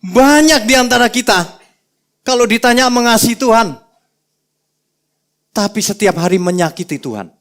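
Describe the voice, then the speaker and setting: A male pastor preaching a sermon with animated, humorous storytelling. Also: very high voice, moderate pace, long pauses.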